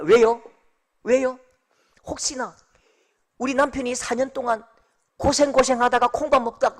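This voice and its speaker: High-voiced dramatic male pastor. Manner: dramatic, swings from shouting to hushed, acts out scenes. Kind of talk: sermon.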